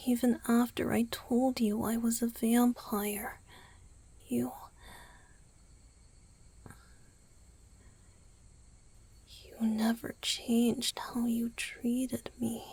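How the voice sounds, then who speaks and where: Woman to play young male vampire boyfriend, wistful and tender, ASMR roleplay. Husky, breathy whisper with crackly fry, hesitant confessional delivery. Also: fairly high pitch, level tone, slow pace, dark tone, no echo, full character voice.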